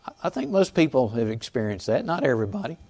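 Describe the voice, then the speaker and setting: Halting conversational male pastor preaching. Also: mid-range voice, sing-song, warm tone. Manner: conversational, halting with restarts and asides to the congregation; chuckles between points. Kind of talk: sermon. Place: church sanctuary.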